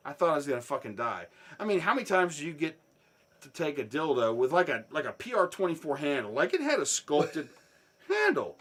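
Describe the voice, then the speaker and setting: A man telling a swear-filled story in a casual chat, dropping low and then bursting into loud shouts. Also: a little fast. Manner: profane, animated, swings from hushed to shouting.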